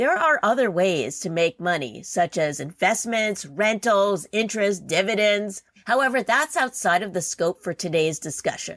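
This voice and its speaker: With very wide pitch swings, a woman talks at a moderate pace in a medium pitch, the sound dry and close with no echo. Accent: slight East Coast US. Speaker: podcast host and money coach. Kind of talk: scripted podcast monologue. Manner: casual, conversational.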